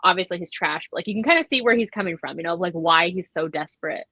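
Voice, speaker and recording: A woman's voice: lowish voice, fast talker, bright, forceful tone, dry recording. A woman chatting casually in a book discussion, talking in a filler-heavy way and slipping into imagined dialogue. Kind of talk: casual book club chat.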